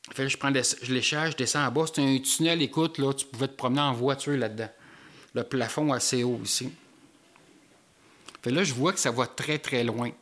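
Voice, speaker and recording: A man with a Québécois French accent, telling a personal story in an animated way with local slang. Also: medium pitch.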